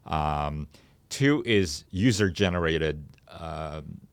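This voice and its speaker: A man's voice: extremely low pitch, slow, clean tone, no echo. A man speaking as a podcast guest in a studio, explaining a product conversationally, step by step and point by point. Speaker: podcast guest, media entrepreneur. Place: recording studio.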